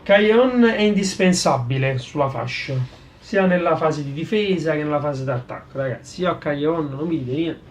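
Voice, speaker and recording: Higher-voiced Neapolitan man talking football, street slang. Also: lively intonation, a little hiss or hum. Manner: halting, repeats words for emphasis. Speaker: football fan vlogger. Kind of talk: casual post-match player ratings, fan commentary. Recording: clear music behind the voice. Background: music.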